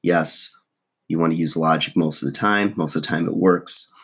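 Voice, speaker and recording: A man talks straight to camera, his voice deep and rough with early-morning frogginess. He rambles through casual advice, stacking fillers and restarts as he thinks aloud. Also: fairly even intonation, normal speed, bright, forceful tone. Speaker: vlogger giving relationship advice. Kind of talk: casual talking-to-camera monologue.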